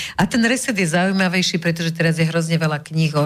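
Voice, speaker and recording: Fairly low in pitch, a woman talks in an ordinary speaking voice with fairly even intonation. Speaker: former TV presenter and shaman. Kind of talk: radio interview. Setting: studio.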